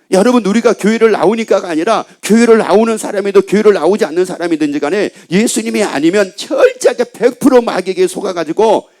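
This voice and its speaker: High-voiced Korean pastor preaching. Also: male voice, a little mellow. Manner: asks the congregation questions and answers them, repeats phrases. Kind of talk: Sunday sermon. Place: church sanctuary.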